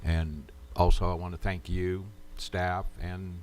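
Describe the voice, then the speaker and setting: A man with a low, mellow voice chairs a council meeting, moving things along with short procedural remarks. He speaks into a desk microphone in a council chamber. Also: level tone, slow pace, slight background noise. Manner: brief, procedural.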